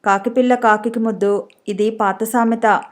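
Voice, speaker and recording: Vasundhara, a gentle young mother, read by a woman. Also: fairly high pitch, steady tone, normal speed, lightly acted. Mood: tender.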